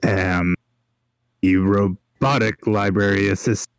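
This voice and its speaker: A man's voice: fairly low pitch, fairly even intonation, slow, clean tone, no room sound, clean studio sound. A man voicing a robotic library assistant in a clipped robot voice with broken grammar. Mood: stiff. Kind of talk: tabletop roleplay.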